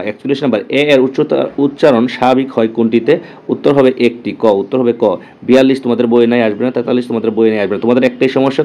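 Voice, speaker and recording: A male tutor from Bangladesh races through exam questions at a brisk clip, repeating each answer and checking that his students follow. His voice is warm and mellow, and the recording sounds dull and lo-fi. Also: medium pitch. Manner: rattles off answers, repeats them, checks with "clear?". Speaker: teacher. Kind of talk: rapid exam-prep lesson.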